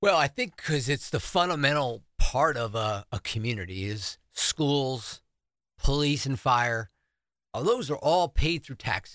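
Spoken at a fairly slow pace with an American accent, it is a normal speaking voice with lively intonation. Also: man, fairly high pitch for a man. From New Jersey. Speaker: school superintendent. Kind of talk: radio interview.

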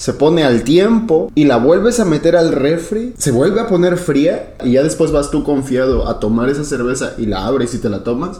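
With audible room echo and noticeable background noise, a man speaks at a moderate pace and fairly high pitch, using very wide pitch swings and hardly any pauses. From Mexico. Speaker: podcast co-host. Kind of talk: casual chat.

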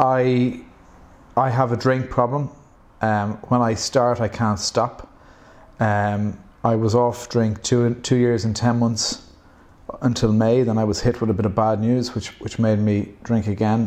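In a Dublin accent, a man speaks at medium pitch and a fairly slow pace with monotone, flat intonation. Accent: Irish (Dublin). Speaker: hotel manager and cafe co-owner. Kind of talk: casual interview. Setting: in person at hotel cafe. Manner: quiet in person.

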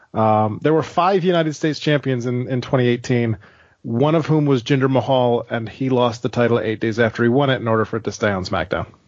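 A man's unremarkable speaking voice at a fairly quick pace. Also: medium pitch for a man, ordinary pitch variation. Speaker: wrestling podcast guest. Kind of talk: casual banter.

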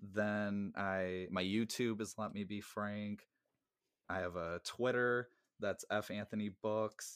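A man with an American accent, fairly low pitch and a very slow pace. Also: fairly even intonation, very clean recording, silent background. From Massachusetts. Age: 20s. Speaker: podcaster. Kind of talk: casual chat.

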